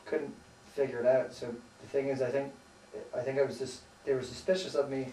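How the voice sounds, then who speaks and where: A man's voice: medium pitch, little pitch movement, a little fast, warm tone. American guy chatting about his life, rambles and hesitates, swears a bit, roomy far-off recording w/ faint noise. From United States. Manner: swears casually. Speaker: interviewee. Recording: roomy echo, distant mic, faint noise.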